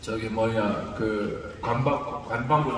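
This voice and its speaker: Over noticeable background noise and audible room echo, a man speaks in an animated tone. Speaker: pastor. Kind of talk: talk to a gathering of pastors. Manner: speeds up when excited; animated, rhetorical questions.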